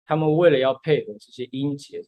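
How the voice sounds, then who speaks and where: A man's voice: a little high, fairly quick, a little mellow, dry recording. A man, patiently explaining music step by step in a casual podcast chat.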